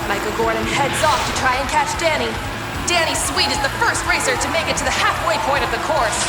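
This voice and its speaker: Actress doing excitable wry lady race commentator, really high voice, echoey, loud music under it. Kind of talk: excited sports play-by-play commentary in scripted audio drama.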